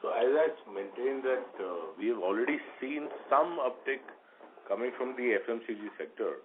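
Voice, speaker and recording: A man with an Indian accent, a company executive giving measured answers on an earnings call. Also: medium pitch, lively intonation. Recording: noisy tinny phone conference line.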